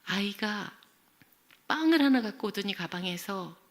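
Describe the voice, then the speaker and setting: A woman's voice: mid-range voice, animated, measured pace. A middle-aged woman professor giving a church lecture, telling stories expressively and often dropping to a near whisper. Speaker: Christian education professor lecturing. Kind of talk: church lecture with acted anecdotes.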